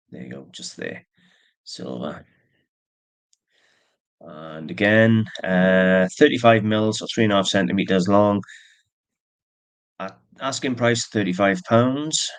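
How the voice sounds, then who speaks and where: A man with allergies casually showing and describing the antique silver jewelry he sells, chatty with plain asides. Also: on the low side. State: stuffy with allergies, yawning. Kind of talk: casual show-and-tell narration.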